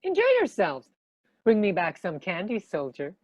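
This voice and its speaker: A woman plays a sarcastic young female repair tech in a comedy script, self-assured and teasing. Her voice is lowish and very lively in pitch, with slightly muffled sound. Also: moderate pace, no echo. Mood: playful. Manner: teasing, blunt. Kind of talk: comedy script table read.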